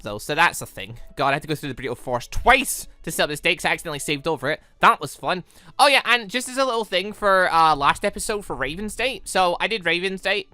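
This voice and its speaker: Casting: gaming host, bright forceful delivery, casual rambling commentary, dry close sound over music. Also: medium pitch, dry recording. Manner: chatty, rambling, self-correcting. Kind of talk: casual let's-play commentary.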